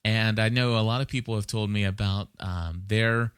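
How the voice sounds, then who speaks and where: Man, podcast host, lowish pitch, clean resonant tone, dry close sound, casual, unscripted, rambling advice. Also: fairly even intonation, normal speed, fairly bright tone, clean tone, no room sound. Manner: rambling, conversational, thinking aloud.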